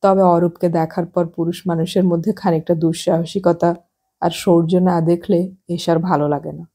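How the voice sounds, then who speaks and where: Woman reading a novel audiobook, calm and even, dark husky voice. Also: lowish voice, moderate pace. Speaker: audiobook narrator. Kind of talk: scripted novel narration.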